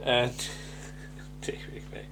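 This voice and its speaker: In a whisper that still sounds pushed and bright, a man stretches out his words while recapping a TV sitcom episode for his podcast. The chat is casual and a bit hesitant, meandering, with chuckles throughout.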